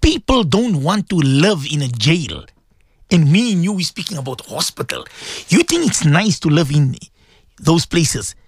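A man's voice: on the high side, very animated, measured pace, slightly rough, no room sound, studio quality. A middle-aged man hosting a religious radio show, talking to listeners in an emotional, pleading way and often repeating himself.

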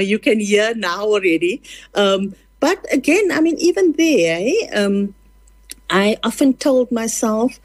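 South African woman with an Afrikaans accent, earnest writer guest, slightly high voice, dry close sound, lots of ums and restarts. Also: a little mellow, no room sound. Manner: earnest, rambling with many fillers and restarts. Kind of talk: casual conversational interview.

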